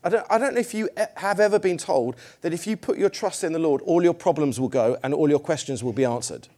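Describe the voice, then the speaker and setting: Speaking fast in a slightly high, mellow voice, a middle-aged man delivers a church sermon. His tone is conversational and self-deprecating, and he keeps putting questions to the congregation.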